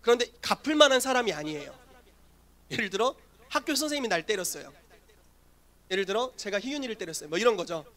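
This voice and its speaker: Bright, high-voiced Korean pastor preaching. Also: male voice. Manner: animated storytelling, asks the congregation questions. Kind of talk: sermon.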